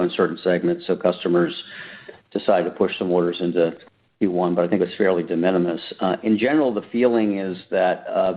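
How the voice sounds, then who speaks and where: A man speaking as a finance executive, answering business questions off the cuff in measured, hedging corporate language. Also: sits low. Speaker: company finance executive on earnings call. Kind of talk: unscripted business Q&A. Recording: muffled narrow phone-like conference line.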